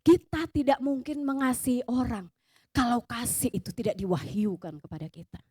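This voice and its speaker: A woman's voice: a little high, a little fast, a little mellow, husky, no room sound, studio quality. A woman preaching at a youth service, telling a personal testimony in an earnest, emotional way and pressing her points with rising emphasis. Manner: earnest and emotional, tells stories vividly.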